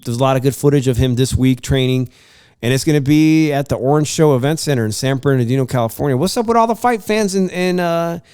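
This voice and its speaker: A man's voice: medium pitch, darkish tone, clean tone, no echo, studio quality. A congested man hosting a sports podcast, chatting casually about baseball and boxing, rambling with many uhs and restarts.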